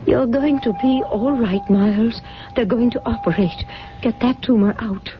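Woman playing a high-voiced, genteel radio-drama mother. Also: moderate pace, music in the background, lightly acted. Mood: pleading, tender. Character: anxious, genteel, dependent mother of a grown son. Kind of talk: radio mystery drama acting. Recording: dull, noisy 1970s radio broadcast.

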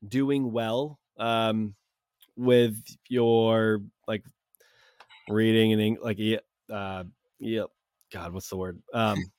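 A man's voice: on the low side, flat delivery, takes it slowly, a little mellow, clear, resonant tone, no echo, clean studio sound. A young man hosting a podcast, talking in rambling casual chat with many fillers. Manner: rambling, heavy on fillers and restarts. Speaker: podcast host.

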